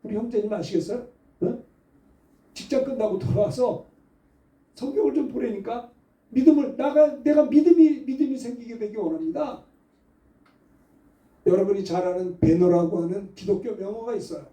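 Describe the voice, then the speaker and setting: Male pastor, middle-aged, high voice with a dark, mellow tone, chatty storytelling sermon, roomy church sound picked up from a distance. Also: normal speed, pauses often. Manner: conversational storytelling, building to fervent exhortation. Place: church sanctuary. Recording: echoey church hall, mic at a distance.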